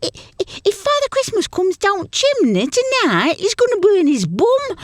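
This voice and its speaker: A woman's voice: very high-pitched, wildly swooping pitch, measured pace, no echo, pitched above the performer's own voice, heavily acted. A woman voicing a naive, curious six-year-old Yorkshire boy in a comic story, childish and full of literal-minded questions. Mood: curious, surprised.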